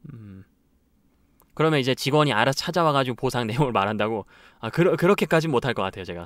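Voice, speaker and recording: A man's medium-pitched voice at a very fast pace, with lively intonation, big swings in loudness and long, frequent pauses, in a dry sound with no echo over a quiet background. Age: 30s. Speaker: streamer. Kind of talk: casual chat. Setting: live stream on webcam. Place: home room. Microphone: studio mic.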